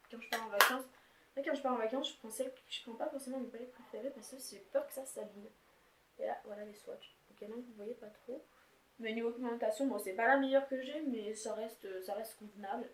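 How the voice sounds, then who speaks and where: A young woman with a fairly high voice chats about her makeup palettes, rambling and casual, full of little fillers. She is recorded on a camera's own mic in an echoey room with a faint hiss behind her. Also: fairly even intonation, fast. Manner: chatty, rambling, filler-heavy. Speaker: beauty vlogger. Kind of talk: casual makeup haul chat. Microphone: camera's built-in mic.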